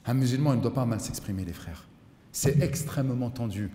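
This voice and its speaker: Animated preaching man in an echoey hall. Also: medium pitch, brisk, slight background noise. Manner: animated preaching, mixes in street slang, voices his son and inner voices. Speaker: imam. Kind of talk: mosque lecture. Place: mosque hall.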